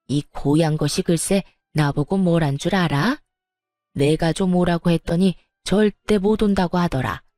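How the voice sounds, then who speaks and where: A woman's voice: fairly low pitch, warm tone, dry recording, lightly acted. A woman voicing a scheming, spiteful older mother-in-law who sneers and scolds, while narrating a story. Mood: indignant. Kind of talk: storytelling narration with acted dialogue.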